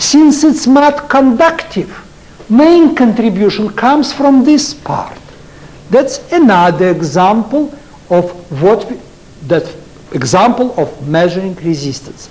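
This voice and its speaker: A man with a Russian accent at an extremely high pitch, very wide pitch swings, a fairly slow pace and long, frequent pauses, with audible room echo and noticeable background noise. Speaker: professor. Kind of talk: lecture. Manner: halting.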